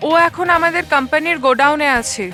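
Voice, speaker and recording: A woman's voice: high-pitched, fast talker, pushed and bright, soft background music. A middle-aged actress playing a worried, exasperated, protective mother in a TV crime drama. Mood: anxious. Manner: scolding, weary, anxious.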